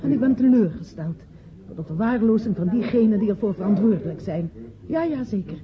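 An actress playing a polished, insistent society hostess in a radio play. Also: female voice, mid-range voice, lively intonation, fairly quick, natural voice. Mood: indignant, pointed. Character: insistent society hostess managing her composer husband's legacy. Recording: muffled radio play, chattering party crowd.

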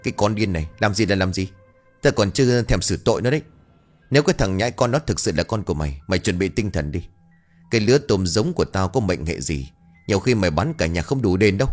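Man voicing a harsh older shrimp-farm owner, low gruff voice, faint music behind. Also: expressive, fast talker. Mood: menacing. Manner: gruff, bullying, barking threats.

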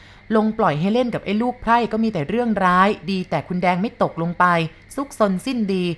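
A woman putting on a shrill, haughty noblewoman. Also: drawn-out words. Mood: scornful. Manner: shrill, contemptuous scolding. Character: haughty scolding older noblewoman.

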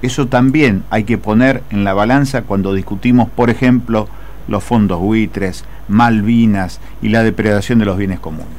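A man's voice: on the low side, steady tone, normal speed, a little mellow. An Argentine man calling in to a radio show, making earnest political points in a rhetorical, list-building way. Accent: Argentine Spanish. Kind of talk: impassioned political commentary.

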